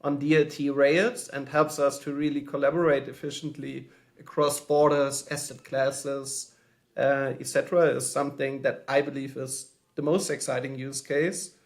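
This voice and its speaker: A man's voice: mid-range voice, little pitch movement, normal speed. Hesitant German man guest on a call. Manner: thoughtful, hesitant, many fillers and restarts. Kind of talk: podcast interview answers. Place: home.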